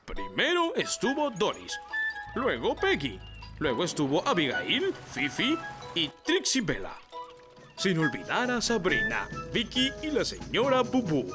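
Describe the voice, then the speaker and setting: A man's voice: high-pitched, wildly swooping pitch, unhurried, music in the background, heavily acted. A man voicing a bossy, theatrical elf fishing captain in a Latin American Spanish cartoon dub. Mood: ominous storytelling.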